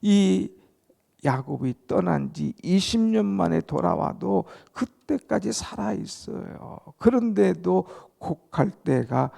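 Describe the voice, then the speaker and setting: A man's voice: sits high, lively intonation, slow pace, gravelly, dark tone. A male pastor preaching a dawn prayer sermon, reading verses aloud and explaining them with dramatic emphasis.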